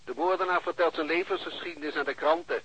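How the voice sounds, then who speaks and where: An actor playing a bullying, impatient police chief in a Dutch radio drama, sharp and insistent. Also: male voice, fairly high pitch, fast, lo-fi sound. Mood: indignant. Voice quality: raspy, sharp. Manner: hectoring, insistent.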